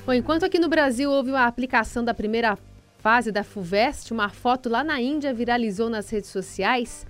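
A Brazilian woman hosting a morning radio news show, reading stories in a friendly, brisk way. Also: fairly high pitch, faint music behind. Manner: friendly, brisk, sometimes stumbles over names. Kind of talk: news reading with light chat.

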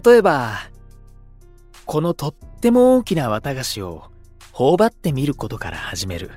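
A man's voice: medium pitch, sing-song, unhurried. A gracious poetic young man in audio drama, elegant, really melodic swings, bit of music. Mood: coaxing. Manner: elegant, gently persuasive, theatrical phrasing. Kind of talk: Japanese voice drama acting.

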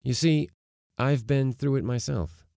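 A man voicing a gentle, kindly middle-aged father in an audiobook story, quiet, understated and reassuring. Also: medium pitch, a little slow, gravelly, dry recording, studio quality, pitched above the performer's own voice. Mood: wryly confiding.

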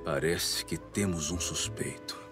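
An actor playing a determined, daring male police detective in an audio drama, with a grave, deliberate delivery. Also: low voice, music in the background. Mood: serious, focused.

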